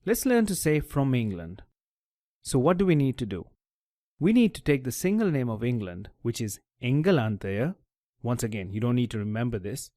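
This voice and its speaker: Male tutor, scripted voice-over, lively intonation, methodical delivery, dry close mic. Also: mid-range voice, moderate pace, no room sound. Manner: clear, methodical explaining. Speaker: language teacher.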